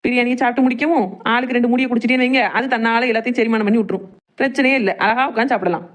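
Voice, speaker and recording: A young village daughter-in-law from a family cartoon, acted by a woman, speaks in a Tirunelveli Tamil accent. She chatters extremely fast in a fairly high voice. She teases and coaxes as she goes. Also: fairly even intonation, lightly acted. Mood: chatty, coaxing. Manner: rapid, chatty, cajoling dialect speech. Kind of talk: cartoon family comedy dialogue.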